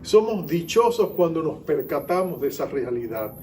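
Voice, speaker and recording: A man's voice: a little high, very animated, moderate pace, warm tone, slight background noise. A male pastor preaching an earnest sermon in church, acting out the figures he quotes.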